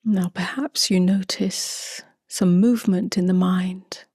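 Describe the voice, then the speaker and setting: A woman leading a guided meditation in a soft, breathy half-whisper, with calm, gently spaced phrases. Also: lowish voice, takes it slowly, no echo, clean studio sound. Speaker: meditation teacher.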